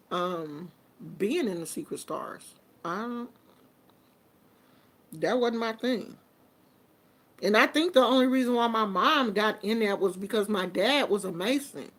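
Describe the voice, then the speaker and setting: Casting: woman in her fifties, relaxed and chatty host talking straight to viewers. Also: mid-range voice. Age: 50s. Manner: chatty and informal, with colloquial phrasing. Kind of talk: casual live chat with viewers.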